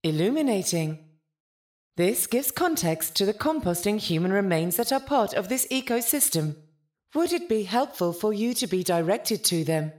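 A woman's voice: medium pitch, lively intonation, moderate pace, a little mellow, lightly acted. Woman voicing a formal, detached ship's AI. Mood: helpful, flat. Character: polite, literal-minded ship's artificial intelligence. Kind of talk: scripted audio drama.

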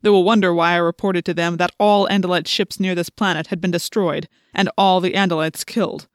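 A menacing alien commander barks orders in a voice pushed louder and odder than a plain narrator's, as a woman reads him. He sounds cold and imperious. The recording is dry and close. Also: fairly low pitch, steady tone, a little fast, no room sound, lightly acted.

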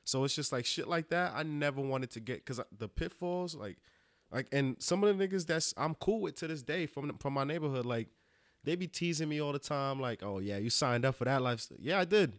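A man's voice: medium pitch, expressive, brisk, dry recording, studio quality. A young man in casual podcast chat, telling loose stories full of slang and fillers.

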